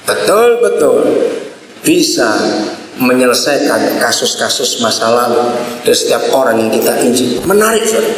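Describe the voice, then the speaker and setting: Man, sermon, storytelling preacher, fairly high voice, distant mic, long hall reverb. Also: slight background noise. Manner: storytelling with wide swings in pitch and slowed emphasis.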